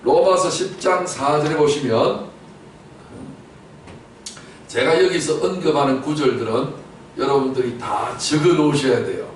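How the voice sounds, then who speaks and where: A pastor with a slightly high voice delivers his Sunday sermon unhurriedly, with long pauses, in a church sanctuary. He questions the congregation and uses rhetorical repetition of key words, punctuated by sudden loud outbursts. It is recorded from a distance in an echoey space with faint noise.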